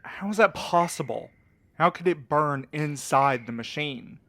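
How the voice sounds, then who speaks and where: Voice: medium pitch, expressive, measured pace, a bit bright, dry recording. A performer playing a stubborn, practical courier in an audio drama, talking in a blunt, insistent way. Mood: incredulous. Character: stubborn, practical night courier, tired and impatient.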